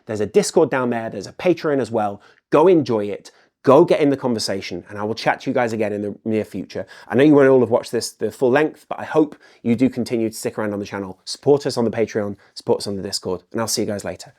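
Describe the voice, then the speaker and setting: A middle-aged Englishman hosts his own football commentary video, talking fast in a fairly low, darkish voice. He comes across as earnest and repetitive, returning again and again to the word "ultimately."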